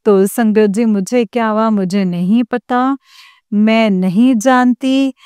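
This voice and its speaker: A young woman speaks in a mellow, smooth voice that sits a little high. She is sharing a personal testimony with a congregation and earnestly keeps addressing her listeners. The recording is dry and close. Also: takes it slowly, no room sound. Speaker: devotee sharing experience.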